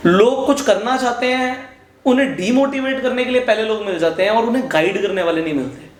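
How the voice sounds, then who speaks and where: A man's voice: high-pitched, a little fast, echoey room. A young man hosting a casual interview, speaking animatedly and mixing Hindi and English. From India. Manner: animated, mixes Hindi and English, eager agreement. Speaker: host, stock market educator.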